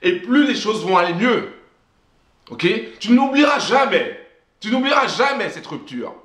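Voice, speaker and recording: A man with a high, lively voice gives an emphatic motivational pep talk straight to camera. He repeats himself and restarts his phrases often. The room around him is echoey. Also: measured pace. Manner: emphatic, repetitive, frequent restarts. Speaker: self-help vlogger.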